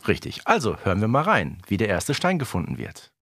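A man with a lively, moving intonation and a dry recording. He co-hosts a podcast in casual chat, often adding tag questions. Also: lowish voice, fairly quick, no echo. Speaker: podcast co-host. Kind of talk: casual chat recapping an audio play.

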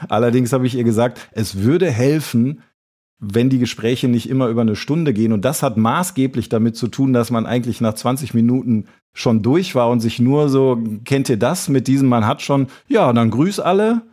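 A man with a German accent, co-hosting a podcast, telling an anecdote in a relaxed, meandering way. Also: mid-range voice, normal speed. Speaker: podcast co-host. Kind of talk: casual podcast chat.

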